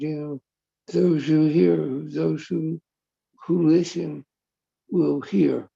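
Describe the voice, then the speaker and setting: A man with a deeply gravelly, rough voice and a very dark, mellow tone speaks earnestly and repeats himself with spiritual phrasing. His voice is a touch higher than most men's. The audio sounds dull and lo-fi, like a call recording. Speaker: community member speaking on a call. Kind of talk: emotional heartfelt testimonial.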